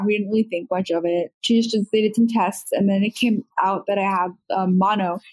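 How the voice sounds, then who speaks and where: A somewhat breathy woman with an American accent, medium pitch, moderate pace and fairly even intonation, in a dry, close sound with no echo. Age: 20s. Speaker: chronic illness patient and wellness blogger. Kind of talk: interview, personal story.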